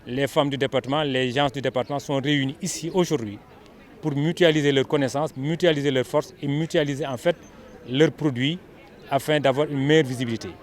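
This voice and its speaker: A Senegalese man speaks in an average-pitched voice as an organizer being interviewed. He explains in measured statements and restates phrases for emphasis. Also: fairly even intonation.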